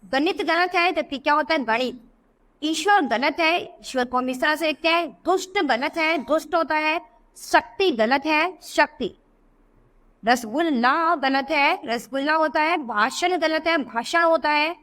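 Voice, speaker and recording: Woman, high-pitched, teacher, grammar lesson, question-and-answer delivery. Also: a bit bright. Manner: asks questions then answers them herself; slow deliberate word-by-word examples. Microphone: voice-over for a video book.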